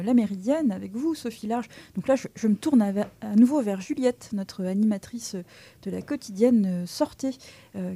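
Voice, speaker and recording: A woman radio host leads an interview from the studio. Her voice is very dark and relaxed, recorded dry and close with no room sound. She phrases her questions slowly and pauses often with fillers. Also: medium pitch, no room sound. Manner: measured, hesitant with frequent fillers.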